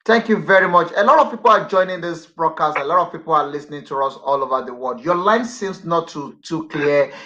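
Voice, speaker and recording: Male broadcast host, bright and fairly high, wordy and repetitive. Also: fairly quick, few pauses, lo-fi sound. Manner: talkative, repeats himself, many fillers. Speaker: radio show host. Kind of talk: broadcast interview.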